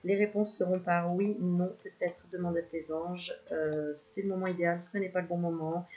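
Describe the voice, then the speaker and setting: A woman giving a casual spiritual card reading to the viewer, chatty and quick to laugh, self-filmed at home. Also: on the low side, steady tone, darkish tone. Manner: chatty, laughs often, addresses viewer familiarly. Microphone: self-filmed camera. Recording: slightly dull lo-fi sound, faint hiss.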